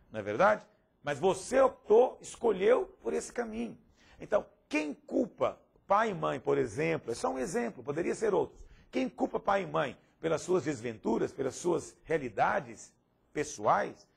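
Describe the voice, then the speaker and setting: Gravelly, husky male Bible teacher. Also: high voice. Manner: asks frequent rhetorical questions; acts out quoted speakers. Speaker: teacher of a pastoral course. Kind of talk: Bible lesson lecture.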